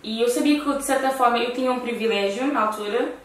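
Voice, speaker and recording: A woman's voice: a little high, fast talker. A woman with a European Portuguese accent chatting casually with a friend as a talk show host. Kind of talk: casual conversation between friends. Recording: very echoey room, distant mic.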